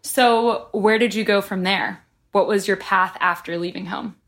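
Woman host, mid-pitch voice, upbeat podcast intro vibe. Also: a little slow, a bit bright, no room sound. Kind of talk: scripted podcast intro and interviewing. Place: friend's apartment floor.

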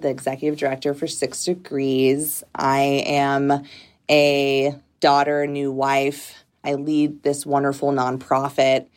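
A woman's voice: deep voice, clean tone. A woman from Southern California, a nonprofit director, talking openly and thoughtfully as a guest in a casual interview, laughing easily. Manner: open, reflective, laughs easily.

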